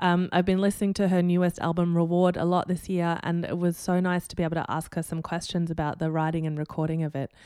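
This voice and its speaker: In an Australian accent, a woman speaks at a very fast pace with hardly any pauses, her pitch fairly low and her tone dark and mellow. Her intonation stays monotone and flat on a very clean recording with a silent background. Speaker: podcast host. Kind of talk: casual chat; scripted podcast intro. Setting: hotel room. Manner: quiet.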